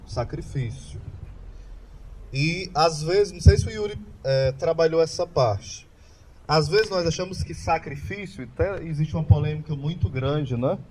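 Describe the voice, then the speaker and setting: A man's voice: fairly high pitch, unhurried, a little mellow, slight background noise. A man with a Brazilian Portuguese accent giving a catechetical talk about the Mass, often asking the audience questions and answering them himself. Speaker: Catholic lay preacher.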